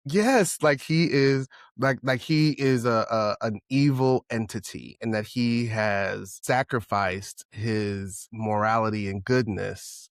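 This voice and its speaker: A man's voice: fairly low pitch, steady tone, slow, hardly any pauses, smooth, no echo, clean studio sound. A man co-hosting a podcast, talking casually and rambling through his thoughts, often checking in with "right?". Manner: rambling, with many restarts and "right?". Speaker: podcast co-host. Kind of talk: casual conversational podcast chat.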